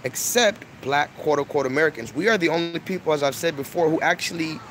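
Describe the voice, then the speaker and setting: A man's voice: a little high, quick pace, a bit bright. Emphatic man lecturing over street noise. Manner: emphatic, repeats himself, lectures. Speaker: online video host. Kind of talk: preachy casual monologue. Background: street noise, crying children.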